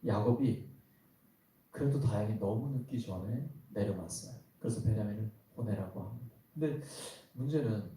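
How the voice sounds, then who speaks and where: A man's voice: lowish voice, normal speed, mellow, slight background noise. A man pastor preaching a sermon in a church worship hall, talking conversationally and asking the congregation rhetorical questions. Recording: very echoey hall, voice from some distance.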